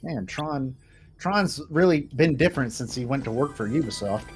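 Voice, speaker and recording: A man's voice: mid-range voice, animated, moderate pace, faint music behind. A man giving wry, joking, casual commentary while playing a video game. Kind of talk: casual joking chat over gameplay.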